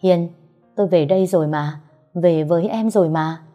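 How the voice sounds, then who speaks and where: A woman voicing a tender young man, a lover come home, speaking softly and lovingly in a storybook reading. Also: lowish voice, moderate pace, close to an everyday voice. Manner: soft, loving and gentle. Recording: slightly muffled, soft background music.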